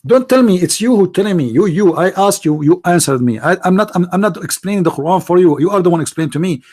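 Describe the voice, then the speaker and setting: A man's voice: high voice, a little mellow. A man whose first language is Arabic, from the Middle East, hosting a heated religious debate and pressing his opponent with repeated, mocking questions. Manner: combative, repetitive, mocking. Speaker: debate host.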